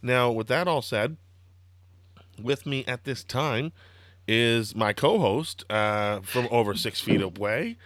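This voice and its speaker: Hoarse, rambling man hosting a podcast. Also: mid-range voice, slow pace, dry recording. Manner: rambling, filler-heavy, excitable. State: slightly hoarse, throaty. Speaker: podcast host. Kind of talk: casual wrestling podcast chat.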